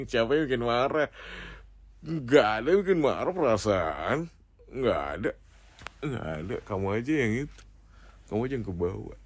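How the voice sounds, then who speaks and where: A young man with an Indonesian accent speaks in a whispered role-play as a teasing husband, playful and quick to laugh. His pitch swings widely while his delivery stays slow and unhurried. The sound is dry and close, with no room around it. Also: expressive, dry recording. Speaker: ASMR roleplay host.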